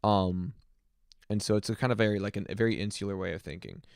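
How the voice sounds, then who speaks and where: A man's voice: on the low side, fast, creaky, darkish tone, smooth, no room sound, studio quality. A man in his twenties chatting casually on a music livestream, rambling and reflective with many fillers. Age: 20s. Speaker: music streamer.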